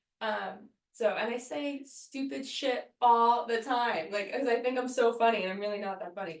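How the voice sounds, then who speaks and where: Her tone animated and her pitch fairly high, a woman talks at a moderate pace with ordinary pitch variation and hardly any pauses. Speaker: therapist and podcast co-host. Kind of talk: casual chat. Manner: loud.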